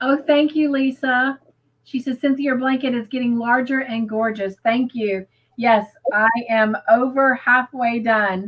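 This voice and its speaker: With a Southern US accent, a woman speaks fairly slowly in a high voice with fairly even intonation. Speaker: crochet live-stream co-host. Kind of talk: casual chat. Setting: live stream.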